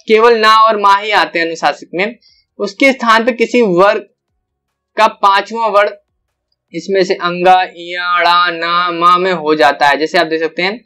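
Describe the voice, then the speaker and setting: A young man gives an online grammar lesson, explaining things step by step and repeating every example with stretched-out syllables. His voice sits high, with a bright, forceful tone.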